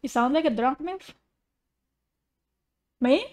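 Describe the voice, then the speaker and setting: A woman with a high voice and a slow, rambling delivery. She chats casually like a livestreamer at home, playful and giggly in manner. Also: expressive, darkish tone. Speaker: streamer reacting to videos. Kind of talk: casual livestream reaction chat. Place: living room.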